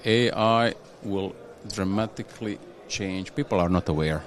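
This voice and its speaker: A man speaking as an executive guest, his voice sitting very low. He talks haltingly, restarting phrases and checking in with "yeah?". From Croatia. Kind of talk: conversational interview.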